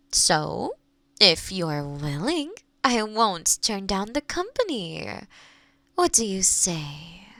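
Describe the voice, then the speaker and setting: Woman acting a kind, slow-talking forest witch. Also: fairly high pitch, no echo, full character voice. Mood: cheerful, cosy. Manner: gentle, unhurried, teasing, with soft chuckles. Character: kind, playful young forest witch living alone. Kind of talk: roleplay audio drama, spoken directly to the listener.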